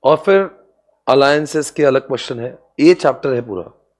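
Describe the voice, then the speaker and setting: A man's voice: medium pitch, normal speed. A man giving a classroom lecture on business strategy to students, playful and joking, often breaking into laughter. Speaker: commerce exam lecturer.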